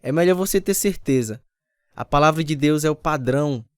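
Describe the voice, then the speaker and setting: A fairly high-pitched, fairly quick voice with a clean tone, natural and studio quality with no echo, belongs to an actor in his 30s. He's the narrator and lead of a scripted radio drama backed by acoustic guitar, earnestly confessing as a repentant husband recounting his conversion.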